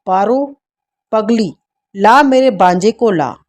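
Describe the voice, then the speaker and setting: A loving, protective brother in a storybook tale , read by a woman, talking through grief. His lines are slow and warm, and the tone stays gentle and soft. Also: mid-range voice, lively intonation. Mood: tender, tearful. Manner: tender, grief-stricken. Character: brave male prisoner, a loving protective brother.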